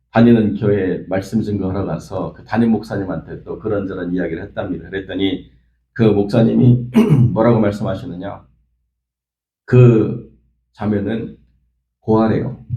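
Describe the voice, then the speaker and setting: A man's voice: on the low side, dark tone, roomy sound, highs cut off. A man preaching an early-morning sermon as pastor, telling a story in an earnest way with frequent small fillers. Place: church sanctuary.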